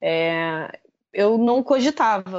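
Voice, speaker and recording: This woman's voice sits at a medium pitch. Her intonation is lively. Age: 30s. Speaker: IT worker and podcaster. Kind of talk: casual interview chat.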